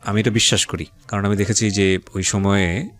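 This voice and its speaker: A man's voice: on the low side, fairly even intonation, fairly quick, a bit bright. A man hosting a radio interview, asking probing questions and sharing reflective asides. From Bangladesh.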